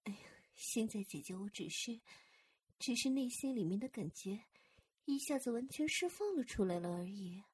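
Breathy, doting older sister, voiced by a woman. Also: fairly high pitch, animated, moderate pace, darkish tone. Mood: soothing, tender. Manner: coaxing and soothing, often whispered. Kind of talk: intimate audio roleplay.

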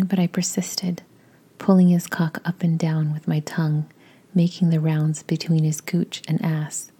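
A woman narrating a story in the first person, in a slow, intimate, breathy whisper. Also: low voice. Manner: slow, intimate, hushed delivery.

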